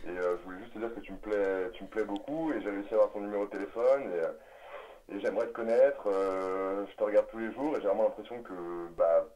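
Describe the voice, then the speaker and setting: Un homme au téléphone pour un canular, au débit hésitant et un peu récité. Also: male voice, on the low side, fast talker, warm tone, lightly acted. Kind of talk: prank phone call recording. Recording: dull lo-fi audio.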